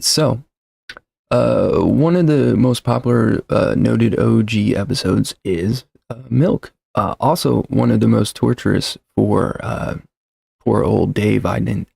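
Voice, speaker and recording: A man's voice: on the low side, gravelly, dark tone, husky, no echo. A man in his thirties hosting a casual livestream, rambling and self-deprecating, full of fillers and restarts, talking into a desk mic at home. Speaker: livestream host. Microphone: desk mic with shock mount.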